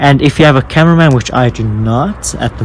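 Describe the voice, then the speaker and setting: A man at a moderate pace with lively intonation, against noticeable background noise. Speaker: car reviewer YouTuber. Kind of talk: product review tutorial. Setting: in own room. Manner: loud. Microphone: wireless lavalier mic, new.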